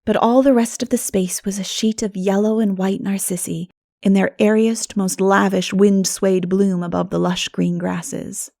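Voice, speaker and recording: A woman reading a classic novel aloud as an expressive audiobook narrator. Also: mid-range voice, measured pace, creaky, no room sound, studio quality.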